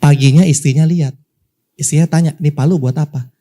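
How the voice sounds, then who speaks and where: A male pastor tells a story from the pulpit with lively swings in his delivery, slipping into the voices of the people in it. His voice sits a little higher than most men's. He keeps turning to address the congregation directly. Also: quick pace. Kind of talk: sermon storytelling.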